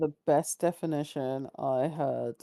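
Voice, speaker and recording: A woman's very deep, low voice with a dark, mellow tone and ordinary pitch variation, dry and close with no echo, on a very clean recording with a silent background. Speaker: gamer community member. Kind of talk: casual chat.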